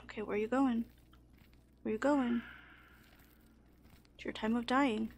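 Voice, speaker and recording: A woman's voice: a little high, steady tone, takes it slowly, creaky, a little hiss or hum. A woman hosting a let's play, joking wryly and often dropping into a half-whisper while her character sneaks. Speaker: gaming channel host.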